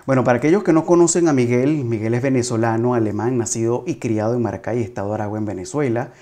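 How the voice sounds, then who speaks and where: A male journalist presents a political talk program in a mellow, soft-edged voice. He speaks formally and straight to his viewers, as a host does. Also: medium pitch, fast.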